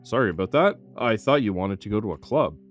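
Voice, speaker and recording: Man acting a stern, expressive older taxi driver. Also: on the low side, fairly quick, soft background music, close to an everyday voice. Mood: apologetic. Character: tired older male taxi driver, stern but polite. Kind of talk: fan audio drama acting.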